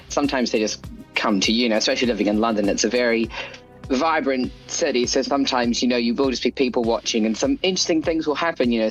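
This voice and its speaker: Male guest from New Zealand, middle pitch, easygoing hesitant chat. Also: dull audio. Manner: relaxed, hesitant with fillers. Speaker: guest author. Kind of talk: casual interview chat.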